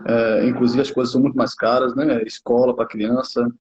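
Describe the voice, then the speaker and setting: A Brazilian man in his thirties, a former player who now coaches youth football, talks casually in an interview about his career. His middle-pitched voice is level and a little mellow, and he speaks loosely and haltingly, often restarting phrases and adding tag questions. The sound is muffled and lo-fi.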